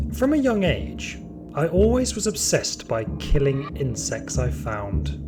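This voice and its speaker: A man playing a sadistic, power-hungry security guard, narrating his story in an audio drama with deliberate menace. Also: mid-range voice. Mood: gloating menace. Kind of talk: scripted first-person audio drama monologue. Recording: music behind the voice.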